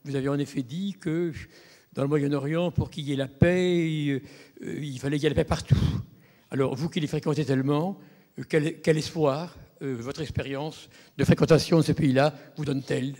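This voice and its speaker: Male audience member; polite, halting, mellow tone; long hall reverb. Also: a little high, fairly even intonation. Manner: formal, halting, many fillers. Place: large abbey conference hall.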